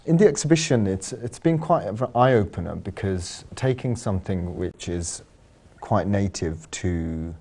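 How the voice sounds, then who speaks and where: This London-based artist and designer sits for an interview in a studio, giving considered answers sprinkled with plenty of "um"s and "you know"s. He speaks in a low, mellow, slightly rough voice that stays animated, and he never rushes.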